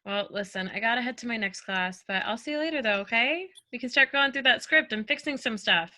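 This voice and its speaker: Comedy role for a woman: reassuring college pal, breezy, high-pitched, piercingly bright. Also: a little fast. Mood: breezy encouragement. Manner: breezy, encouraging. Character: chipper, reassuring young college woman friend. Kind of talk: staged reading of comedy sketch.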